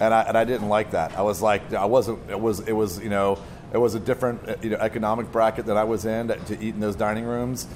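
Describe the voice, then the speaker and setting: Music plays behind a man with a fairly low pitch. He talks very fast in a flat monotone, with hardly any pauses. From US southeast coast. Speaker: chef and restaurant owner. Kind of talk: casual interview. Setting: mobile studio inside a restaurant. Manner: halting, repeats words.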